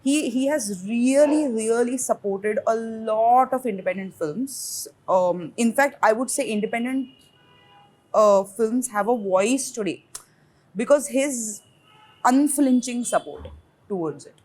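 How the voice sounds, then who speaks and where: A woman's voice: fairly high pitch, measured pace, a little mellow, poor audio. A woman filmmaker with an Indian English accent telling a story in a casual roundtable chat, laughing and slipping into Hindi. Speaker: independent filmmaker.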